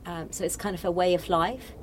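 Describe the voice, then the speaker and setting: A woman from Morocco speaks as a guest in an interview. Her voice sits a little low. She talks in a casual, reflective, conversational way. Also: steady tone, fairly quick, slight background noise.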